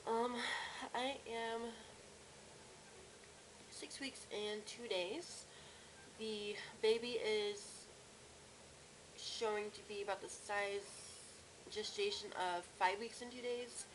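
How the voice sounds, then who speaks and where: A young woman with a cracky, strained voice and sore throat, talking casually and haltingly in a personal video diary. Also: medium pitch, steady tone, poor audio. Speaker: vlogger. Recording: clear background noise, room ambience.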